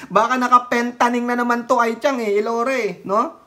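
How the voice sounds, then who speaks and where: A political vlogger rants in a casual, mocking way, breaking into laughter often and throwing in curses. The voice swings sharply up and down in pitch and loudness. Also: steady tone, normal speed.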